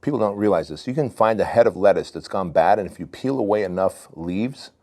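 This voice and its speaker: Low-pitched man, forties, from armenia, candid casual storytelling, podcast guest. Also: animated, a little fast, warm tone. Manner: candid, loose, says "man" a lot.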